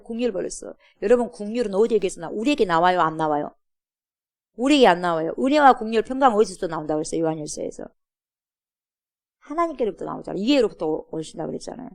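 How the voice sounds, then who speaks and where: A woman pastor delivers a sermon in a church with an emphatic, insistent delivery. She keeps turning to the congregation with repeated rhetorical questions. Her voice sits at a middle pitch for a woman. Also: gravelly, a little mellow.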